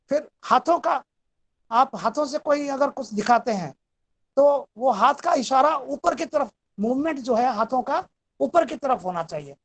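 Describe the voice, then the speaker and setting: Brief: female lecturer, high voice, calm and methodical, walks students through each point of a recorded class. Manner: explanatory, steady and methodical.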